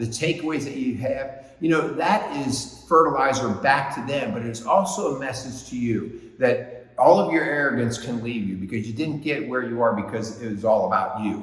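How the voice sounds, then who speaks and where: With ordinary pitch variation, a man talks at a moderate pace amid noticeable background noise. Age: 60s. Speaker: podcast host. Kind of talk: motivational monologue. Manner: conversational, with frequent fillers and repeats.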